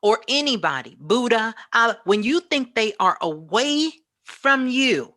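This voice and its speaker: Woman, spiritual motivational speaker, unhurried, emphatic repetition, bright clear-cut tone, dry close recording. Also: fairly high pitch, very animated, no room sound. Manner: emphatic, preaching, repeats phrases for effect. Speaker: spiritual teacher and guest speaker.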